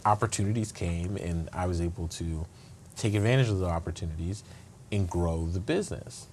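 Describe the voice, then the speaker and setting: A man's voice: low-pitched, brisk, a little mellow, a little hiss or hum. A man speaking as an interview guest, earnest and reflective, often restarting his sentences. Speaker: guest, state attorney. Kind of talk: conversational interview.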